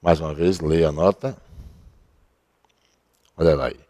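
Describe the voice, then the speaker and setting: A male teacher with a deep, mellow voice. He walks through a grammar rule step by step at a board, asking questions and then answering them himself. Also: fairly even intonation, measured pace. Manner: explains step by step, asks and answers his own questions. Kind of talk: recorded grammar lesson. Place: at a board he writes on and erases.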